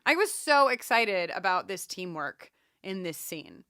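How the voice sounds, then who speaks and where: A woman co-hosting a podcast, chatting casually and emphatically as she recaps a TV episode, with animated mock exasperation. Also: medium pitch, unhurried, smooth, no room sound, clean studio sound. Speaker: podcast co-host.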